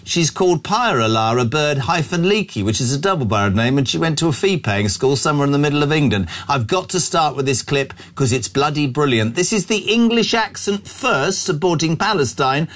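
A male radio host talks casually in a slightly high voice. He hesitates often, with frequent fillers. His delivery stays relaxed and conversational. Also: fairly quick, few pauses. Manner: hesitant, many fillers, chatty. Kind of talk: casual talk radio chat.

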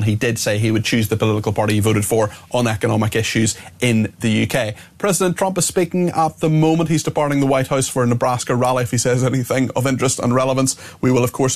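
Brisk, smooth male radio host. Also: medium pitch. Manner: fluent, brisk on-air delivery. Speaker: radio talk show host. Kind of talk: smooth radio host reading listener messages.

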